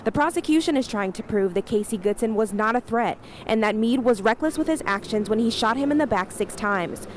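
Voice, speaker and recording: A woman's voice: fairly high pitch, animated, fairly quick. A woman TV news reporter delivering a scripted live report from the field. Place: live remote at a courthouse. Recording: clear background noise, live on location.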